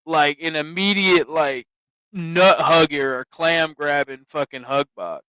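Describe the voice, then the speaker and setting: A man with a Southern US accent talks over a clip on his stream, animated and mocking. His voice sits a little high and sounds bright and smooth, recorded dry and close. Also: measured pace, no echo, low-quality recording. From American South. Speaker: streamer host. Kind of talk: casual stream commentary.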